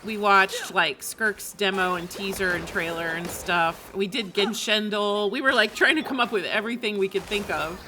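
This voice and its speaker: A woman's voice: medium pitch, normal speed, few pauses, background noise. A woman livestreamer chatting casually with her viewers while she plays a game.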